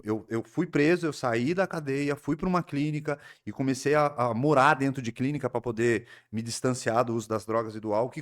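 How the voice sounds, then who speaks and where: Um homem, convidado de um podcast, conta com seriedade e reflexão sua história de recuperação, com sotaque do interior paulista e muitas pausas e recomeços. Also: male voice, mid-range voice. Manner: earnest, reflective storytelling with frequent restarts. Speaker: psychoanalyst guest. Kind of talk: personal recovery story in a podcast interview.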